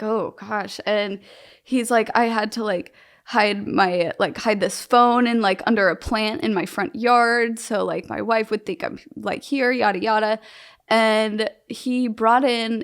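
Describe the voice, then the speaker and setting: A young woman speaking casually in an interview, her talk loose and rambling. She fills it with "like" and "um" as she goes, in an easygoing way. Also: a little high. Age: young adult. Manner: chatty, loose, heavy use of "like" and "um". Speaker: interview guest.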